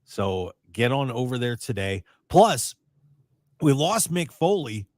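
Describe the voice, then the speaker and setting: A man hosting a radio show in casual, rambling chat, his voice a little raspy and strained. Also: mid-range voice, slow, dry recording. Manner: chatty, excitable, rambling. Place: radio studio.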